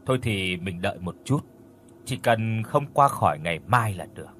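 A man's voice: on the low side, lively intonation, normal speed, a bit bright, a little hiss or hum, pitched below the performer's own voice. A man doing a stern old village sorcerer. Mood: grave, firm. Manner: solemn, firm. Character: stern elderly male village sorcerer, grave.

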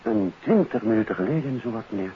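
An actor playing a deferential, eager hotel porter in a 1950s Dutch radio drama, hesitant and respectful. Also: male voice, fairly low pitch, lively intonation, quick pace, natural voice. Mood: nervous, deferential. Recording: muffled, noisy 1959 radio recording.

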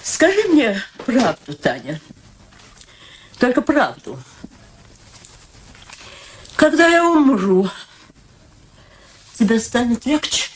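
An older woman in a radio play portrays a frail, anxious elderly mother near death, plaintive and dramatic with drawn-out pauses. Her fairly high voice sounds weary and pleading over steady background noise.

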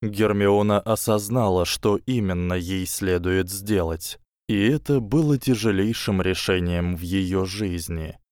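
A man narrating a fantasy novel as an audiobook in slow, measured storytelling. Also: deep voice, darkish tone, dry recording, clean studio sound. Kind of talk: scripted narration.

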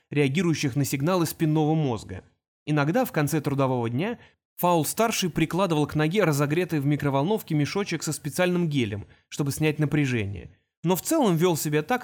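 A man narrating an audiobook in an expressive storytelling manner. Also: on the high side. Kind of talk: scripted narration.

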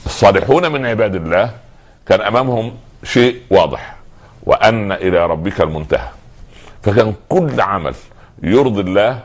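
Deep-voiced male preacher. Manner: rhetorical questions, rising emphasis. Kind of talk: religious sermon.

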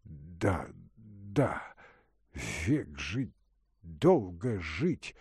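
Give me a feverish young man, weak and breathless, speaking low and faint in halting bursts, as a man voices him. He talks slowly, and the sound is dry and close. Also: big pitch swings, a little mellow, breathy edge, no room sound, heavily acted.

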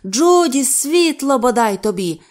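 A woman voicing a flustered young man, a cameraman, who talks anxiously and shouts. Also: mid-range voice, expressive, brisk, lightly acted.

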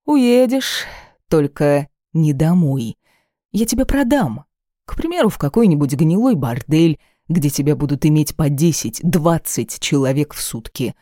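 A reader voicing a domineering, cruel male caliph who speaks slowly and menacingly in an audiobook. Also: a little high, very animated, mellow, dry recording, clean studio sound. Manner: menacing, slow and commanding. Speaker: desert ruler holding the heroine captive.

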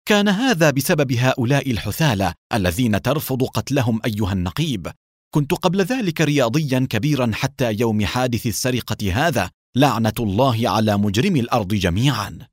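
A man voicing a calm, bitter older male doctor who speaks in measured, clipped phrases. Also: lowish voice, no room sound, clean studio sound. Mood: cold, clipped.

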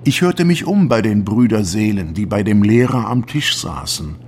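An actor playing a troubled, indignant early Christian disciple in a literary radio drama, speaking solemnly and deliberately in archaic, declamatory phrases. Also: male voice, on the low side, expressive, darkish tone, slight background noise. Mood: scornful, wounded. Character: troubled, indignant early-Christian disciple writing bitterly to his revered elder.

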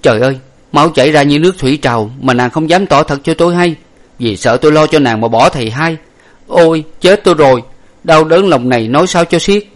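A man's voice: mid-range voice, brisk, lightly acted. A man voicing a devoted young husband who cries and laments over his wounded wife. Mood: anguished. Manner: wailing, lamenting. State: crying. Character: devoted young husband, grief-stricken fighter.

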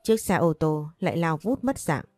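A woman reading a story aloud in a steady, scripted narration. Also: low-pitched, normal speed, no echo, clean studio sound. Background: faint music.

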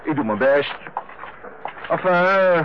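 An actor playing a lighthearted, teasing youngest brother in a Dutch radio play, with a jovial, bantering manner. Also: male voice, fairly high pitch, animated, takes it slowly. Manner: jovial, bantering, chuckling way of talking. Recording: dull, noisy old radio play recording.

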